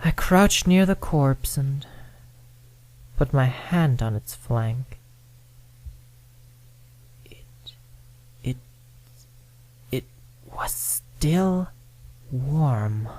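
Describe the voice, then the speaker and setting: A man's voice: mid-range voice, animated, drawn-out words, pauses often, darkish tone, low-quality recording. A man narrating a first-person ghost story, dramatic and at times dropping to a whisper.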